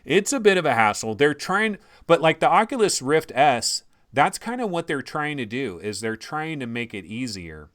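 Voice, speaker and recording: A man hosting a livestream, chatting casually in excitable bursts and swearing freely. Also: on the high side, moderate pace, hardly any pauses. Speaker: livestream host. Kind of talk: casual chat.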